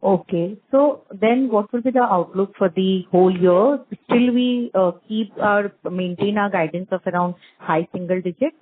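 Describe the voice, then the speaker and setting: A woman's voice: medium pitch, normal speed, few pauses. Female analyst on a narrow phone line. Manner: probing, confirming answers back. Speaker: analyst asking questions. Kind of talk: question and answer on an earnings call.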